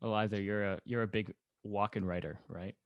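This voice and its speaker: A man hosts a casual conversation at a quick pace. His voice sits a little low and is recorded dry, with no room around it. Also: steady tone, no echo, highs cut off. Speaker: podcast host. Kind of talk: casual chat.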